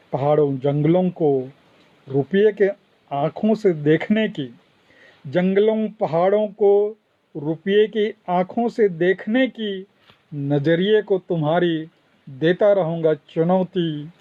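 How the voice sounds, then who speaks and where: Pausing long and often, a man speaks at a high pitch with ordinary pitch variation. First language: Kurukh (speaking Hindi). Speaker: poet. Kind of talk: poetry reading.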